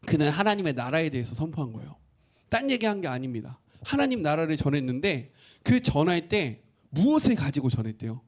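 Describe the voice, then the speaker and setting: A male pastor preaching a sermon, asking the congregation questions and acting out quotes in an animated way. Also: on the high side, fairly quick.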